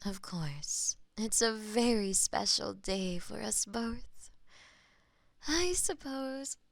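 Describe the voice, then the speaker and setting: A woman playing a possessive, lovestruck goddess of death in an intimate romantic audio roleplay, with a breathy, theatrical delivery that often drops to whispers. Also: medium pitch, lively intonation, takes it slowly, no echo. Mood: drowsy affection.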